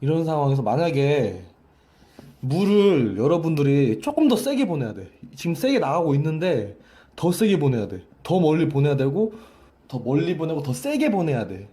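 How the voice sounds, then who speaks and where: A man's voice: fairly high pitch, sing-song, moderate pace, dark tone. A man teaching a voice lesson, explaining breath pressure with a hose demonstration, often repeating and restarting his phrases. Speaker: vocal coach.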